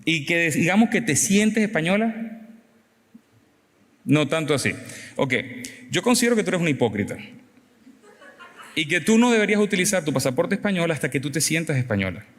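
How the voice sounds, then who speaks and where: Man, preacher, animated and teasing, fairly high voice, long hall reverb. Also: normal speed, pauses often. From Venezuela. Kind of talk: sermon with audience questions.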